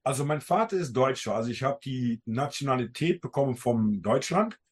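A man's voice: mid-range voice, expressive, normal speed, breathy edge. A man from the Netherlands with a Dutch accent, a native Dutch speaker hosting a podcast in casual talk, searching for words with small grammar slips. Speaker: podcast host.

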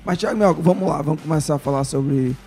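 Male podcast host, Ceará accent, higher-set but mellow voice with a hoarse smoker's rasp, chatting casually about sport over music. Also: fast. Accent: Northeastern Brazilian, Ceará. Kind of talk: casual live sports chat.

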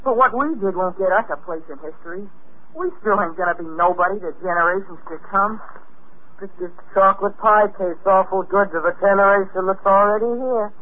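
Guy playing eager kid space adventurer, high raspy boyish voice, tinny 50s radio drama. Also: brisk, a little hiss or hum, natural voice. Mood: boyish, earnest. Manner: plain-spoken, boyish, slangy. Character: earnest, eager young boy space adventurer. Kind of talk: 1950s radio drama acting. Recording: thin, narrow vintage radio recording.

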